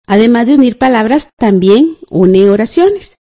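A woman teaching a grammar lesson for radio class, calmly guiding listeners through each exercise. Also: fairly high pitch, normal speed. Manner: calm, guides exercises step by step with "ajá".

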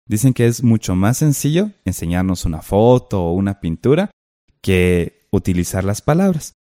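A man's voice: on the low side, dark tone, no room sound, studio quality. A man co-teaching a textbook lesson, explaining step by step and posing questions to the listener.

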